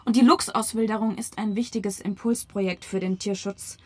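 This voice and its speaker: An actress playing an idealistic young student and camp leader in a German audio drama, earnest and conciliatory. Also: female voice, medium pitch, fairly even intonation, normal speed, darkish tone, slightly rough, lightly acted. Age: young adult.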